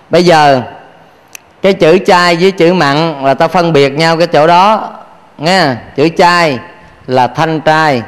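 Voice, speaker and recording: A Buddhist monk gives a playful sermon, often quizzing his listeners and laughing along with them. His voice sits high for a man. The sound carries a long reverb, as in a hall. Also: fairly bright tone. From Vietnam. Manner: playful, asks the audience questions, laughs often. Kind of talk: dharma talk sermon.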